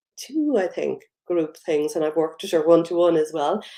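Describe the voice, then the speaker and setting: A woman with an Irish accent, fairly low pitch, ordinary pitch variation and a dark, mellow tone. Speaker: hypnotherapist and mindset coach. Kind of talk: live stream Q&A. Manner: casual, hesitant with fillers.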